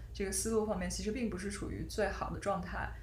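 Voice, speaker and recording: Audible room echo and noticeable background noise around a woman's voice. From China. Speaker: podcast co-host, corporate manager. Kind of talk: casual chat.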